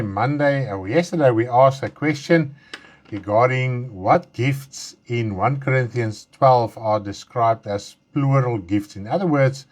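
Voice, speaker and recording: Guy preaching a bible study stream, earnest, lots of uhs and restarts. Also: medium pitch. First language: Afrikaans. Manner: earnest, halting, with frequent fillers and restarts. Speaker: pastor leading Bible study.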